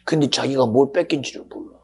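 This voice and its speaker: Husky, gravelly fervent male preacher. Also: mid-range voice, quick pace, poor audio. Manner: fervent preaching that swings from hushed whispers to shouts. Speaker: pastor. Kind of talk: sermon.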